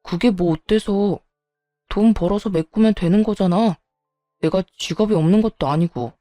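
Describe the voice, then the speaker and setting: A woman's voice: medium pitch, moderate pace, dark tone, dry recording, soft background music, natural voice. A woman voicing a self-pitying ex-husband who pleads, then turns petulant and defensive. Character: whiny self-pitying ex-husband, grown man.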